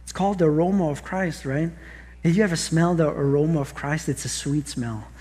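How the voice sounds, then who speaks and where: A man's voice: fairly high pitch, a little fast, a little mellow. A middle-aged man with an Austrian accent, preaching a sermon on a church stage, earnest, with frequent restarts and rhetorical questions. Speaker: pastor. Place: large church stage with audience.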